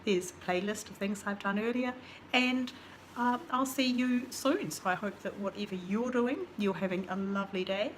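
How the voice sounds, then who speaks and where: A woman with a croaky voice, chatting enthusiastically as a vlog host. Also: mid-range voice, normal speed, a little hiss or hum. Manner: chatty, enthusiastic about plants. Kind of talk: casual vlog narration.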